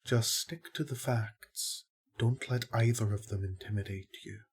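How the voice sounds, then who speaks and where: Male actor as calm fair-minded angel, slightly low voice, measured, wry, audio drama. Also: husky. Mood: reassuring. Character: kindly, fair-minded male archangel, calm ally and explainer.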